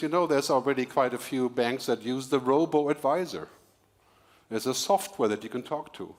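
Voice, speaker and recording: A middle-aged man from Germany, giving a quick, energetic keynote to a live audience with small laughs and asides. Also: medium pitch. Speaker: keynote speaker.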